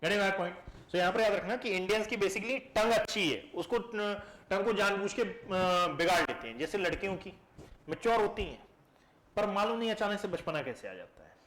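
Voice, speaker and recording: A man teaching a live class, keeping it lively and putting questions to his students. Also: high voice, normal speed. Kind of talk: classroom lecture. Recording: echoey classroom.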